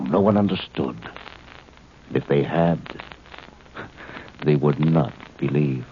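Grave otherworldly narrator, halting and deep, 1950s radio drama with narrow, hissy sound. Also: male voice, heavily acted. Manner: grave, portentous, halting delivery. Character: disembodied male narrator, solemn, dead yet living, with secret mission. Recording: muffled, noisy old radio recording.

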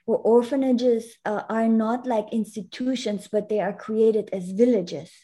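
Her voice sits fairly high, steady and mellow, and she talks a little slowly over slight background noise. As a guest educator in a conversational interview, this German-speaking woman from Italy explains earnestly, frequently starting her sentences over.

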